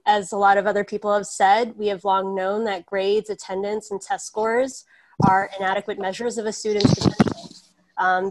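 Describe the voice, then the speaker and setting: A woman's voice: mid-range voice, poor audio. A woman educator giving an earnest, prepared public comment, heard over a group video call.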